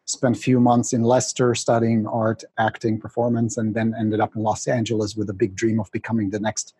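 Husky middle-aged guy w/ czech accent, upbeat guest chat, dry sound. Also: on the low side, fairly quick, no room sound. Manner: energetic, laughs often, self-mocking jokes. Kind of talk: casual interview chat.

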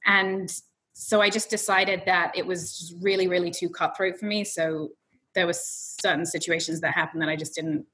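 A woman from London, England, with an English accent softened by an American twang, a realtor chatting as an interview guest. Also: fairly low pitch, steady tone, rough recording. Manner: chatty, quick storytelling. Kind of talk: casual interview answers.

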